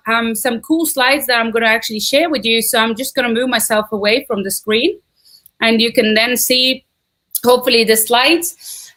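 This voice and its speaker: High, upbeat Estonian woman presenting live. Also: pushed and bright. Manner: enthusiastic and chatty, greets viewers by name and country. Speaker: presenter of an online business webinar.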